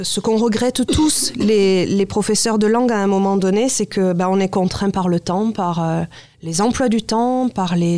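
A German woman who teaches German at a high school answers interview questions thoughtfully, searching for words as she goes. Her voice is mid-range with a dark tone.

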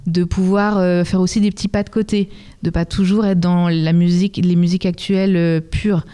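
Smooth, mellow-voiced woman being interviewed. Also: fairly low pitch, flat delivery, normal speed. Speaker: music venue programme representative, guest. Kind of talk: conversational interview answers.

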